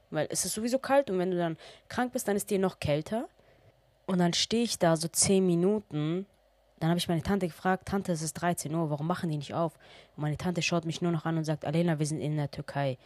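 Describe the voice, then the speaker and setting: A woman's voice: lowish voice, a little mellow, dry recording. A woman in her twenties from Germany, hosting a podcast and chatting casually through a storytime with lots of quoted dialogue. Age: 20s. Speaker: podcast host.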